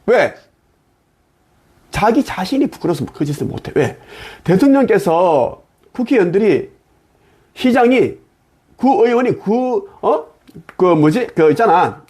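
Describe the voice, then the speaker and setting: A man holds forth in a preachy monologue, answering his own rhetorical questions. His voice sits a little high and swoops widely in pitch. There is a slight husk to his tone. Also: dark tone. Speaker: channel host.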